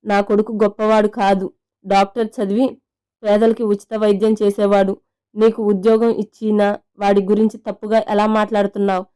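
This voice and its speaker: A woman reading as an enraged vengeful father in his fifties, threatening, flat delivery, mellow smooth voice. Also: mid-range voice, moderate pace, lightly acted. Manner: threatening, shouting accusations.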